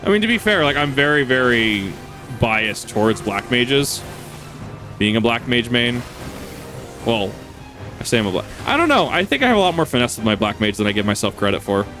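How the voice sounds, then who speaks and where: A man's voice: medium pitch, sing-song, moderate pace, music in the background. A man streaming a game, chatting casually and rambling with lots of fillers and restarts. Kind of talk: casual gameplay chat.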